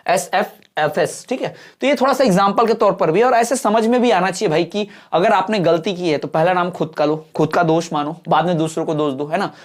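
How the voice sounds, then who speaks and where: A man teaching an online exam-prep grammar class, checking in often and spelling out English examples slowly, word by word. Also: high voice.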